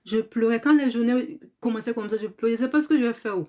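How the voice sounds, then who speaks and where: A fairly high-voiced woman talks casually on a live stream, tired and recovering, reading out viewer comments as she goes. She often repeats words, thanks people by name and breaks into short prayers, all in a warm, chatty way. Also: fast. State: tired, in convalescence. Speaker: cosmetics business trainer on a live stream.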